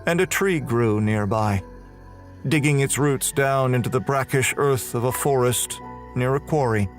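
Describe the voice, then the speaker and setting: An actor playing an unrepentant condemned murderer who narrates his own execution in a heavy, deliberate horror audio drama style. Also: mid-range voice, natural voice. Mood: grim, resigned. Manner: slow, heavy, deliberate, halting delivery. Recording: music under the voice.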